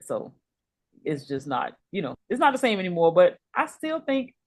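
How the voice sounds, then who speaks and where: A woman in her forties, co-hosting a podcast in relaxed, reflective chatter. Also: fairly low pitch, normal speed. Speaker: podcast co-host. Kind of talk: casual podcast chat.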